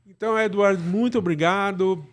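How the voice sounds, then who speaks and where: Middle aged brazilian guy on a podcast, slightly high voice, chatty and rambly, keeps adding little right? tags. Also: a little fast. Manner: chatty, rambling, often checking in with tag questions. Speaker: podcast guest. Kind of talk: casual conversation.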